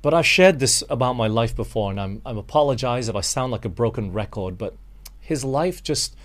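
A man's voice: mid-range voice, animated, brisk. Earnest Malaysian man preaching a sermon. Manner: earnest, addresses listeners directly as friends, asks rhetorical questions.

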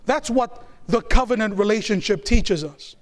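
A preacher from New Zealand with a strikingly high voice delivers a sermon. He stresses his points through repetition and keeps pulling the congregation in with questions for them to answer. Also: expressive, moderate pace. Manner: call-and-response, asking the congregation to answer; emphatic, repeats key phrases.

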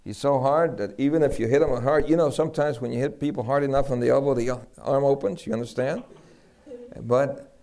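A man from Puerto Rico preaching a sermon, telling a lively personal story and acting out the dialogue. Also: medium pitch, a little fast.

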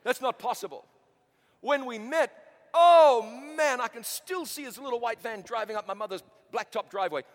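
A man from New Zealand with a slight American tinge, preaching a story-driven sermon in an animated, chatty way with self-mocking asides. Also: very high-pitched, moderate pace. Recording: long hall reverb.

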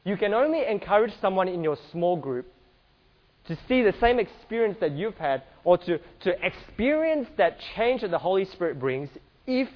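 A man from Singapore giving an earnest church talk about slides, restarting often and filling pauses with "uh". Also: high-pitched, muffled recording. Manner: earnest, many restarts and fillers. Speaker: church speaker.

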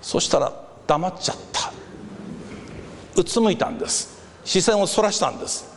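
A man preaching a sermon, telling a story and acting out the voices of a crowd with lively animation. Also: high voice, normal speed. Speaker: pastor. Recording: reverberant hall with faint background noise.

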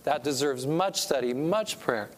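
A man's voice: mid-range voice, lively intonation, measured pace. A middle-aged man from California giving an earnest, preacherly talk to a church audience as a pastor and missionary speaker. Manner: earnest, preacherly, rising with emphasis on key points.

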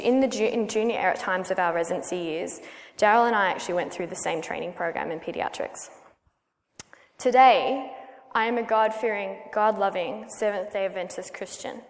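Earnest Australian woman in a reverberant hall. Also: mid-range voice. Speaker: guest speaker giving a testimony. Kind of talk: prayer and personal testimony.

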